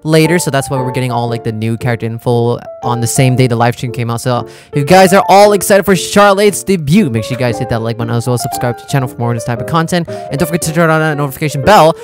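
Slangy gaming video host, medium-pitched voice. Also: quick pace, few pauses, over music. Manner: slangy, exclamatory. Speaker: YouTube reactor, gaming channel host. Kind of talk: casual reaction commentary.

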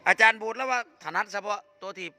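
A man with an Isan accent hosting a village vlog, chatting with a friend and promoting a raffle in a lively, joking way. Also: sits high, fast talker. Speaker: vlogger host. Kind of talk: casual chat and live promotion.

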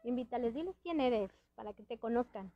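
A high-pitched woman chats casually on a live stream, rambling and restarting often, her words slightly thick from a dental palate. The sound is dry and a little dull. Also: lively intonation, a little fast, no echo, faint music behind. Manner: rambling, many restarts and fillers, laughs often. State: wearing a dental palate that hampers her speech. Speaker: host. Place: indoors at a friend's house.

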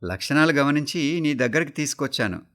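A brisk, offhand young man who speaks plainly and without fuss, as a male narrator puts him on. His voice sits higher and a little louder than the narrator's own. The part is heard in a radio story reading. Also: expressive. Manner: brisk, matter-of-fact.

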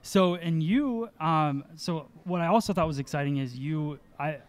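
A young male interviewer with a fairly high voice asks casual questions into a desk microphone. He keeps agreeing and affirming as his guest talks. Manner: agreeable, says lots of quick affirmations. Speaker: interviewer and salon owner. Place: hotel meeting room at a trade show. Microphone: desk mic on stand.

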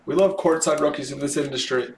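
A man hosting a live sports card break, announcing names in an excitable, drawn-out way, his voice starting to wear. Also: fairly high pitch. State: voice starting to give out. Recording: roomy echo, background noise.

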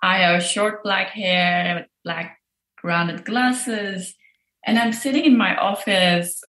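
A woman's voice: mid-range voice, slow, a bit bright, reverberant. A woman in her early forties from Turkey, a professor, answering interview questions thoughtfully from her office. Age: early 40s. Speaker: professor and lab director.

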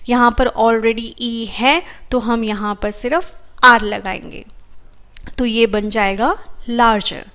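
A woman's voice: on the high side, steady tone, takes it slowly, a bit bright. A woman with an Indian English accent teaching a grammar lesson, patiently repeating each rule with examples. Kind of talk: explaining a grammar lesson in Hindi with English terms.

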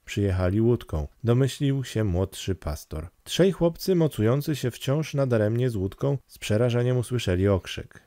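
A man narrating an audiobook in a steady storytelling read. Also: medium pitch, moderate pace, few pauses, dry recording, studio quality. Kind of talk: scripted narration.

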